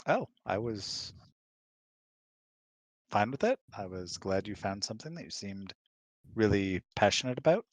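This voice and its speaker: Low, easygoing man in casual chat. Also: very animated, a little slow, pauses often, no echo. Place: indoors, close and dry online voice hangout.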